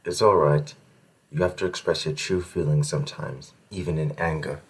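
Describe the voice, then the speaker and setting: A man playing a loyal, chivalrous nobleman in an audio drama, soft and husky, speaking with courteous, earnest, old-fashioned phrasing. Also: very deep voice, steady tone, moderate pace, heavily acted. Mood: gentle reassurance. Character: gentle, loyal, chivalrous nobleman, protective and solemn.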